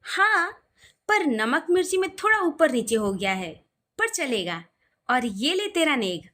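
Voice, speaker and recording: A woman's voice: high voice, sing-song, a little slow, full character voice. Woman voicing a kindly middle-aged uncle. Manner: warm, praising.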